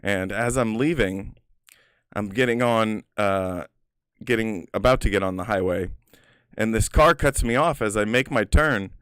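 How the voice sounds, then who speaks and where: A man's voice: fairly low pitch, unhurried, fairly bright tone, clean tone, dry recording, clean studio sound. A man casually telling personal stories in a rambling, profane way, full of filler words. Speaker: storyteller.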